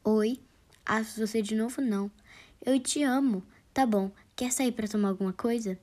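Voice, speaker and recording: Deadpan woman reading chat jokes. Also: a little high, normal speed. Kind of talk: reading comic chat exchanges, voicing both sides.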